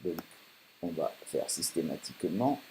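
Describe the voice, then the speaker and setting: Guy doing a laid-back screen tutorial, lowish voice that jumps around a lot, lots of ums, faint hiss. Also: big pitch swings, a little slow, mellow. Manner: chatty, thinking aloud with many fillers. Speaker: software tutorial host. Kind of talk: casual screen-recorded tutorial.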